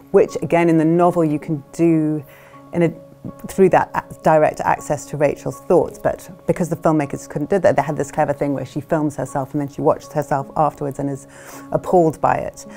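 Low, mellow woman author. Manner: thoughtful, with frequent restarts and soft "um"s. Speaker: author discussing her novel's film adaptation. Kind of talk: reflective interview talk. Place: studio with plain backdrop.

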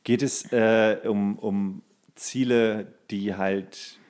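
A man's voice: fairly low pitch, steady tone, very slow, darkish tone. A man chatting casually as a podcast co-host, joking and rambling. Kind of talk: casual chat.

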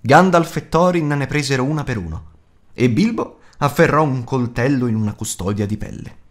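Expressive man narrating an audiobook. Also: mid-range voice, normal speed. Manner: expressive, dramatic reading. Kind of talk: scripted narration.

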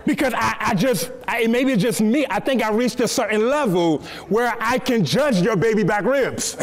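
High-voiced young man preaching. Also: normal speed. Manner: lively, repetitive preaching with stammered restarts. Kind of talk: sermon. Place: church stage, seated on a stool.

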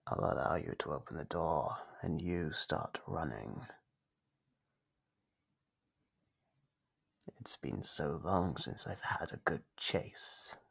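An actor voicing an ancient, gleefully predatory monster in an ASMR horror roleplay, husky and breathy, teasing with slow menace. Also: male voice, sits low, full character voice. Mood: sinister anticipation. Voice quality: husky, gravelly, breathy with whispers. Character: gleeful predatory monster from under the bed, centuries old.

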